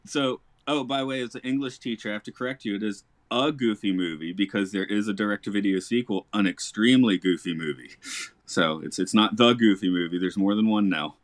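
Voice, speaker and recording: A man's voice: on the low side, a little fast, no room sound. A man who teaches English, hosting a casual podcast chat, rambling with restarts and laughing often. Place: lives in Japan.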